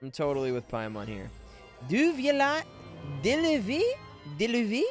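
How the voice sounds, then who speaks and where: A man's voice: sits high, huge pitch swings, moderate pace, soft background music. A man casually commentating on a game as he streams it, playful and rambling as he thinks aloud. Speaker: streamer, voice actor.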